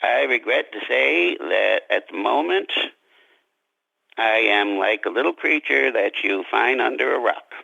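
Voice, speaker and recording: A man's voice: medium pitch, animated, unhurried, vocal fry, sharp tone, dry recording, dull audio. A man being interviewed as an author, conversational and courteous, with formal turns of phrase and a self-deprecating manner.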